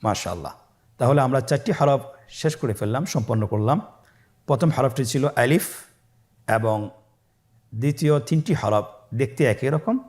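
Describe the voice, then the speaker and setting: A man's voice: mid-range voice, animated, moderate pace, long pauses, a little mellow. A man with a Bangladeshi Bengali accent, teaching Quran reading step by step, patiently repeating each letter for the viewer to echo. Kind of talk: step-by-step Arabic letter lesson.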